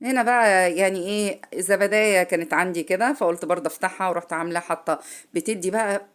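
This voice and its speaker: A woman's voice: lowish voice, fast, smooth. Egyptian woman with a cold, home cook, casual and chatty, self-correcting in the kitchen. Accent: Egyptian Arabic. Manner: chatty, speaks straight to viewers, corrects herself midway. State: has a cold. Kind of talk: casual cooking tutorial.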